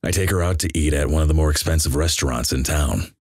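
A man reads internet stories in a deadpan, flat way. His voice is extremely deep and husky. The sound is close and dry, with no room around it. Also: fast talker, dry recording. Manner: deadpan, flat delivery of crude jokes.

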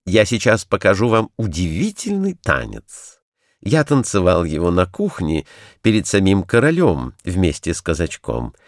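A man voicing a boastful male wooden toy with a squeaky, jumpy voice in a storybook reading. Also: huge pitch swings, measured pace, no room sound, clean studio sound, heavily acted. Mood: excited. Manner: bragging, shrill and jumpy.

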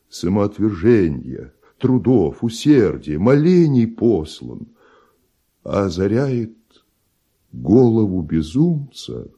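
A man acting a proud, bitterly envious middle-aged composer in a theatrical verse monologue for radio drama, solemn and declamatory, with weighty pauses and a husky voice. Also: on the low side, dark tone, lo-fi sound, full character voice. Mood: tormented, pleading. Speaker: actor.

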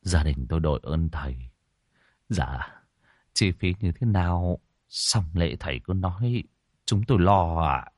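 Hushed, humble grieving father, a man voicing him, low, dry voice. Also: animated, unhurried, dry recording. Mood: subdued. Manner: quiet, polite, restrained.

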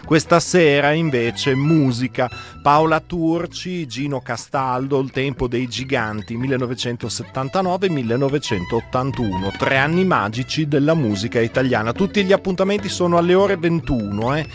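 A male radio host in a studio runs through upcoming events in a quick, practiced announcer style. His voice sits at an ordinary pitch, and now and then he pauses on a filler before moving on. Faint music plays underneath. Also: expressive. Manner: brisk announcer delivery with occasional hesitations. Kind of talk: reading radio event listings.

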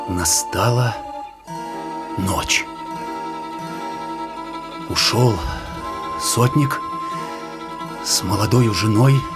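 A young man in a radio play, telling his sweetheart an old tale in a tender, teasing way. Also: lowish voice. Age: young adult.

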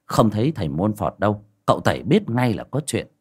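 A man narrating a dramatic folk ghost story in an expressive storytelling manner. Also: on the low side, brisk, husky. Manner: lively, expressive.

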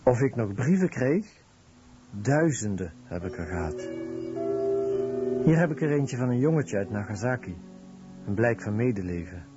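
A man's voice: medium pitch, sing-song, normal speed, pauses often, close to an everyday voice. An actor voicing a man's recollections in a scripted documentary voice-over. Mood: sober recollection. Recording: dull lo-fi radio recording. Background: music.

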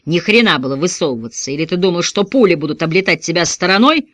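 A narrator voicing a gruff backwoods outlaw father who bellows coarse threats. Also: mid-range voice, expressive, a little fast, a bit bright, dry recording, pitched above the performer's own voice, natural voice. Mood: bellowing.

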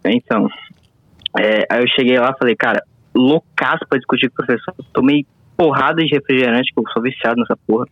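Late-teens male caller heard over the phone, relaxed and profane, dull dry line. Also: mid-range voice, brisk, no room sound. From Paraná, Brazil. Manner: laid-back, says "man" constantly, swears freely. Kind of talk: casual call-in chat.

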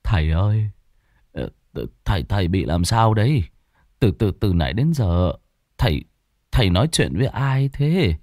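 A man's voice: on the low side, animated, normal speed, a little mellow, no room sound, studio quality, lightly acted. A man doing a stammering, timid villager. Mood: anxious. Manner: stammering, hesitant.

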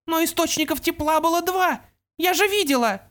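A gloating, shrieking pixie villainess from an audiobook, her voice soaring very high and loud, as a male narrator puts her on. She is vicious and furious, drawn out with slow, spiteful emphasis. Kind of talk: audiobook character voice.

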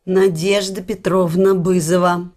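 Woman playing a slow-talking, surly hypnotised wife. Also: fairly low pitch, level tone, a little mellow, close to an everyday voice. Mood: entranced. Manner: blunt, sarcastic, slow, coarse. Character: sharp-tongued, grumpy working-class wife under hypnosis. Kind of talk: comic radio play acting.

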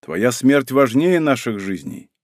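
A male audiobook narrator voicing a captive man who speaks in a calm, steady voice, recorded dry and close. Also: medium pitch, measured pace, dry recording. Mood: calm defiant.

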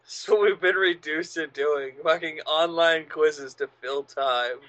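A man's voice: fairly high pitch, slow pace, a bit bright, slight background noise, rough recording. A man co-hosting a casual podcast chat, sardonic and swearing freely. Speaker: podcast co-host.

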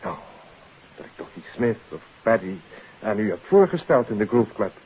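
A thin, band-limited vintage radio recording of an uneasy young man. His voice is very husky, and he justifies himself politely and anxiously in 1950s radio drama style. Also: fairly low pitch, very animated, normal speed, phone-quality sound, heavily acted. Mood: apologetic, uneasy.

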